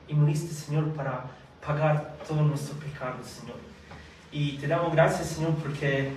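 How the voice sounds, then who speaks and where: A man born in Italy leads a prayer and a sermon, halting often with fillers and restarts. His voice sits somewhat high. He is heard from a distance in a very echoey hall. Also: a little mellow, a little hiss or hum. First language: Italian or Filipino language. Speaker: preacher. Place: church hall.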